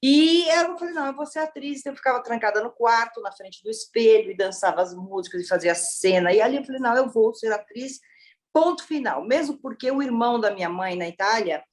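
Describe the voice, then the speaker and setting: A woman actress born in Italy and raised in Brazil, chatting in an interview as a lively storyteller full of exclamations. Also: fairly high pitch, fairly quick. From born in Turin, Italy, raised in Brazil. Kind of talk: casual interview chat.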